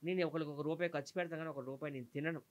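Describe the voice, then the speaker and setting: An indignant man pours out his complaints in an interview. He talks at a breakneck pace in a somewhat high voice and rattles off names in long lists. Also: steady tone. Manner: indignant, rapid, emphatic listing.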